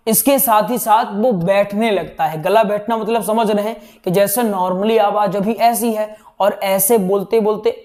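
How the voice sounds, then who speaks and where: A man's voice: sits high, a little mellow. Casual male katha teacher. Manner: conversational, keeps checking in with "right?". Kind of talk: teaching talk to students.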